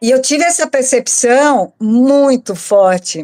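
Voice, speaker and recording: Her intonation is lively as a woman speaks. The sound is dry and close, with no echo. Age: 60s. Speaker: spiritual workshop co-host. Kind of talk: live online class conversation. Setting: YouTube livestream. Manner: halting, with many fillers and repetitions.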